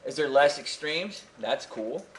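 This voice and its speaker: A man teaching a high school math class in a casual, chatty way, often checking in with "right?". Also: measured pace. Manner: chatty, animated, keeps asking "right?". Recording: distant echoey classroom recording.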